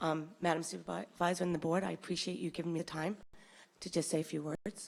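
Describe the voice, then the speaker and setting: Speaking at a very fast pace, a woman with an American accent uses a fairly low pitch, fairly even intonation and vocal fry. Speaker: resident speaking at public hearing. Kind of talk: public comment at town board meeting. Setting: town board meeting.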